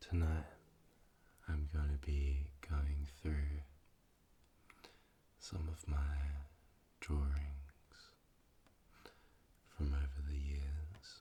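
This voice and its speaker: A soft-spoken man whispering, somewhat breathy, at a very slow pace with long, frequent pauses. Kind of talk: ASMR talk to camera. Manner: whispered and soft-spoken.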